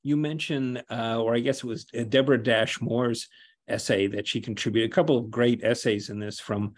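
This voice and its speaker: A man's voice: mid-range voice, fairly even intonation, normal speed. Older man asking rambling interview questions. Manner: chatty, asks long rambling questions, frequent affirming. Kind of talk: conversational interview over video call. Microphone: video call.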